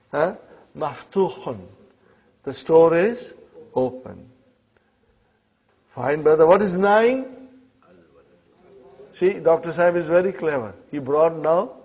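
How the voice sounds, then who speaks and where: A man's voice: a little high, a little mellow, slightly rough. Lo-fi recorded Arabic teacher, man. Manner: checks in often with "huh?" and "brothers and sisters". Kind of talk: classroom grammar lesson. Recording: dull lo-fi classroom recording.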